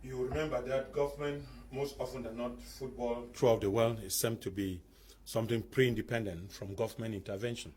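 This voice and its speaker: A man's voice: mid-range voice, steady tone, a little fast, a little mellow, slight background noise. A man, a panel guest arguing a point in a heated debate with pressing rhetorical questions.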